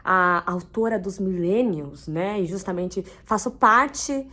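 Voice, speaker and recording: A woman's voice: mid-range voice, slow, pushed and bright. A woman in her thirties with a Brazilian Portuguese accent, chatting casually through a book review and dropping frequent tag questions. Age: 30s.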